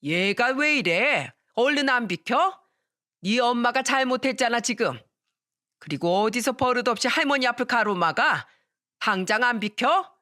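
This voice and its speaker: Harsh, shrill old grandmother for a story drama, high and loud, done by the narrator. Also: expressive, normal speed, no room sound, clean studio sound. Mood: indignant. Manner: shrill, berating.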